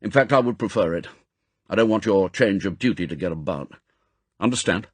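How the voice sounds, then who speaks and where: A man voicing a gruff, impatient elderly spy chief, brusque and authoritative, in an audiobook. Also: low-pitched, brisk, dry recording. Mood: brisk, commanding. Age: older. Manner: brusque, authoritative, clipped commands. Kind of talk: audiobook character acting.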